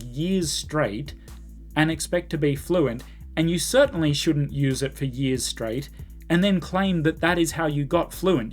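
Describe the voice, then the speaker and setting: Higher-pitched man, blunt and emphatic. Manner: emphatic, blunt, exasperated, mimics commenters. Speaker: YouTube language-learning commentator. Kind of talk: casual opinionated commentary to camera.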